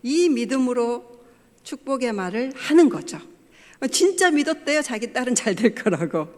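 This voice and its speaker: A woman's voice: fairly high pitch, sing-song, normal speed, a little mellow. A middle-aged woman, a pastor's wife, gives a family talk at church, telling personal stories and acting out what her family said. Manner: storytelling, acting out family quotes. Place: church sanctuary. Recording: long church hall reverb.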